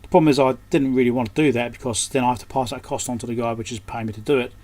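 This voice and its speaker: A man's voice: medium pitch, fairly even intonation, rapid-fire, a little mellow. A man giving casual hands-on repair commentary, muttering and thinking aloud as he works at a workbench. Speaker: electronics repairer presenting his repair. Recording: clear background noise.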